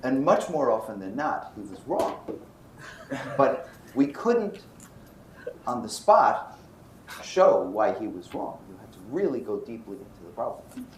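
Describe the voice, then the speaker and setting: A man's voice: mid-range voice, big pitch swings, a little slow. An American man from Brooklyn giving a physics lecture, posing questions and answering them himself. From Brooklyn, United States. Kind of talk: lecture with anecdotes. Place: lecture room. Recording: roomy echo, faint background noise.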